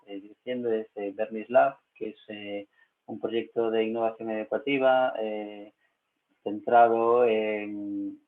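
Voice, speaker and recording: A man with a Spanish accent from Spain, moderating a panel over a video call with a low voice and frequent hesitations. His audio comes through thin and tinny, like a phone line. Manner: hesitant, many filler sounds. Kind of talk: casual online panel chat.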